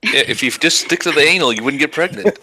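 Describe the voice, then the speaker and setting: A man's voice: on the high side, lively intonation, quick pace, noisy background. A man joining a casual stream chat, tossing in dry joking quips. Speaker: stream guest. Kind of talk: casual banter.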